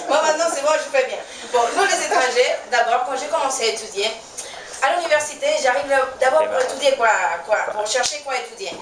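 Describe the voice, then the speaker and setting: A high-pitched young woman with a Venezuelan Spanish accent performs stand-up in a chatty, self-mocking way, laughing along with her own jokes. Her voice is caught from far off in an echoey room. Steady noise sits under the whole recording. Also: normal speed. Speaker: stand-up comedian. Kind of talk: one-woman stand-up show. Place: stage in a small venue with a live audience.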